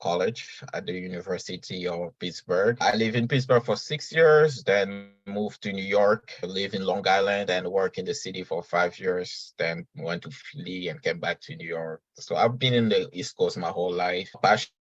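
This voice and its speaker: A man's voice: low-pitched, normal speed, hardly any pauses, highs cut off. A man, a podcast guest talking earnestly and reflectively at an uneven pace. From Senegal. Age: 30s. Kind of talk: casual conversational interview.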